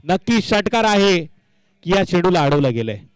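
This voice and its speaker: A man's voice: sits high, very animated, normal speed, clear, resonant tone, no room sound. A man giving live commentary and announcements at a local cricket tournament, emphatic and fond of repeating phrases for effect.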